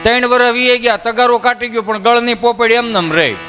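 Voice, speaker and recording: A man tells rural jokes as a folk comedian in a high-pitched voice. His tone is bright and ringing. The sound carries a long hall echo, with faint music under it. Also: fairly even intonation, fairly quick. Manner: acts out villagers' voices in his tales. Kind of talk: Gujarati folk comedy storytelling on stage.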